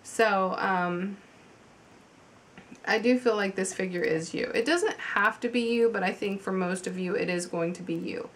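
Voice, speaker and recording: Woman with a cold, mid-pitched, reading tarot at home; casual, halting, lots of ums. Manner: chatty, halting with many ums and restarts. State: has a cold, slightly congested. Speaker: tarot reader.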